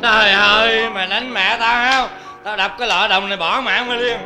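An actor playing a hot-headed young husband and son, yelling in panic in a cải lương stage drama. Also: male voice, high voice, fairly even intonation, a little fast, music in the background. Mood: furious.

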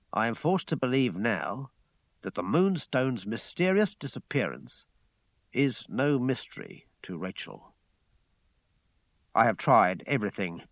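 A man's voice: fairly low pitch, fairly bright tone, no echo, full character voice. A man voicing a troubled, dignified lady reading out her letter in a grave, formal manner. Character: troubled, dignified mother, a lady of rank, writing.

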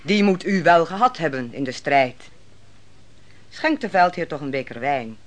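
A commanding female judge in a Dutch radio drama. She is composed and probing, speaking formally and deliberately, with very wide swings of intonation. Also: low voice, lively intonation. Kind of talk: Dutch radio play acting.

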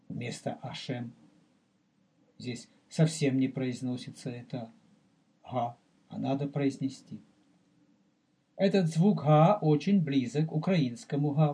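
A man teaching as a rabbi in a recorded religious lecture. He speaks deliberately, addresses the listener directly, and explains and repeats terms for emphasis. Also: mid-range voice, mellow, slightly rough.

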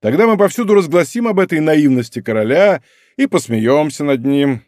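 A man's voice: on the high side, animated, moderate pace, darkish tone, dry recording, studio quality, lightly acted. A man reading an audiobook, voicing a proud king who speaks coldly and sarcastically. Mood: cold mockery. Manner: cold, sarcastic, restrained. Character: cold, proud, mocking young king.

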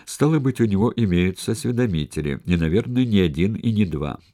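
A man narrating an audiobook of a historical novel in a steady, even storytelling manner, recorded close to the mic. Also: fairly low pitch, fairly quick.

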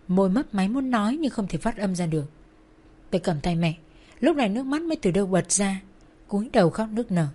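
Woman narrator, mid pitch, sorrowful first-person storytelling, emotional reading. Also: a little mellow.

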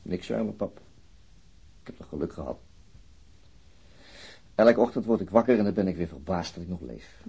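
Gloomy husky wounded policeman, low and gravelly. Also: expressive, moderate pace, pauses often, mellow, exaggerated voice. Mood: bitter, brooding. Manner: subdued, weary, sardonic, hesitant. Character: gloomy, wry wounded policeman, father recovering in hospital. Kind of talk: naturalistic radio play acting.

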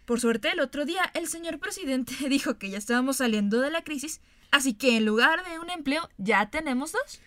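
A woman's voice: sits high, lively intonation, brisk, dry recording, studio quality. A woman playing a prim, exasperated job clerk. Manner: formal, patiently correcting.

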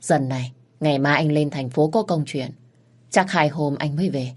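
A woman voicing a gentle, protective young man who speaks soothingly and tenderly, in a storybook reading. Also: sits low, moderate pace.

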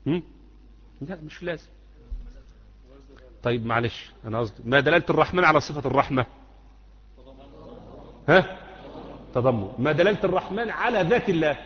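Man, Egyptian Arabic accent, religious lesson, quizzing students, higher voice, muffled echoing hall. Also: animated, brisk, long pauses. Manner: quizzing, repeating, drawing answers from the class. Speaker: Islamic creed teacher. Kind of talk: classroom lecture with questions to students. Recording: muffled lecture hall recording with long echo.

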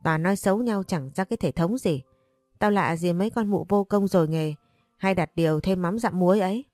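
A woman voicing a gruff old father who grumbles dismissively. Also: lowish voice, a little fast, darkish tone, dry recording, soft background music, close to an everyday voice.

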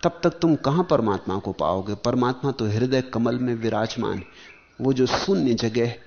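A man giving a spiritual discourse, speaking in slow rhythmic phrases that swell and sink, and chanting verses slowly. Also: medium pitch, highs cut off. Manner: slow, rhythmic, rising and falling emphasis. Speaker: spiritual teacher.

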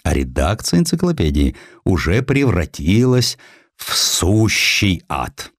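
A man's voice: sits low, wildly swooping pitch, takes it slowly, no room sound, clean studio sound. A man delivering dramatic scripted narration of history as an audiobook narrator.

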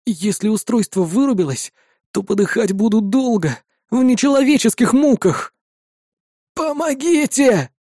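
A man's voice: sits high, animated, normal speed, dark tone, no room sound, studio quality, voice pushed up. A man reading an audiobook who voices a panicked, wounded male soldier trapped in wreckage, crying, shrieking and begging in pain. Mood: desperate pleading. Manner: shrieking, pleading, sobbing. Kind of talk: audiobook character voice.

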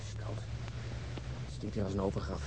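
An actor playing a grumbling, sardonic married police detective in a naturalistic radio drama, gruff and contrary in manner. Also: male voice, low-pitched, completely flat delivery, moderate pace, background noise, lightly acted.

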